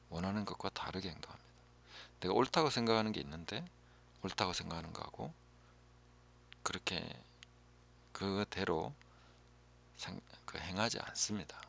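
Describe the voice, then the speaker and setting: Gravelly low-voiced man teaching calmly. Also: dull audio. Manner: calm, reflective, often drops to a hushed voice. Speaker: pastor. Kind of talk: Bible teaching talk.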